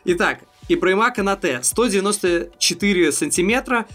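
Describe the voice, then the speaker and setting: A man co-hosts a football podcast in a casual chat, his voice sitting high, animated, brisk, and a bit bright. He works through topics thoughtfully and analytically, with hesitant fillers, over soft background music.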